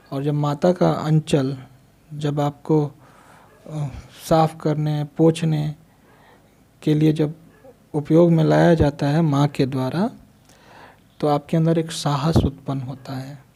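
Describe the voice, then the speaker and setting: A man's voice: fairly high pitch, gravelly, warm tone. A man teaching a literature lesson, reading a line from a story and then explaining it in simple words, asking questions and answering them himself.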